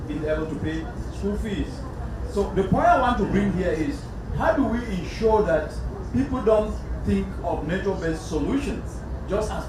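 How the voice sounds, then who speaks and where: A man from Cameroon leads a panel in a big conference hall, pressing the speakers with emphatic questions. His voice sits a little high and comes from a distance, with heavy echo and steady background noise. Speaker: panel moderator. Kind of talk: moderating a panel discussion. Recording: echoey hall, distant mic, noisy.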